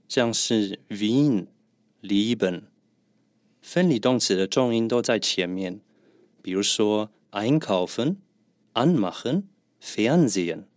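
Man, low voice, language teacher, methodical explanations, dry close sound. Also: no echo. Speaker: German teacher. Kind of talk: podcast language lesson.

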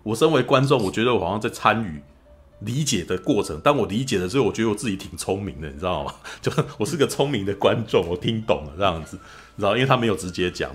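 This man's voice is low and husky. He has a Taiwanese Mandarin accent and hosts a podcast of relaxed film talk, where he tells animated stories, performs the lines he quotes, and keeps tossing in "你知道吗."

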